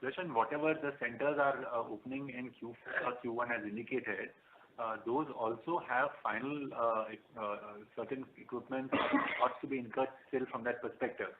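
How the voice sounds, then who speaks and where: An Indian-accented man reports as a finance executive on an earnings call. His medium-pitched voice is formal and halting, heard through a narrow phone line with slight noise. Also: fairly even intonation. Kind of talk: corporate conference call answers. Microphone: telephone conference line.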